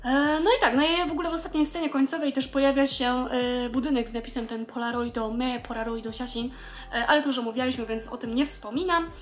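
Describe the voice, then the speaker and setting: A woman's voice: sits high, fast talker. A young adult woman from Poland explaining things in a casual, chatty vlog, with lots of filler sounds. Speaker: vlogger explaining Japanese.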